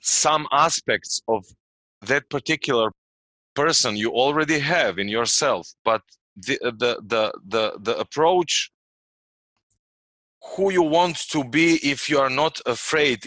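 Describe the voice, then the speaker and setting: Man, bright voice, dry close sound, podcast host. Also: medium pitch, dry recording. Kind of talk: interviewing.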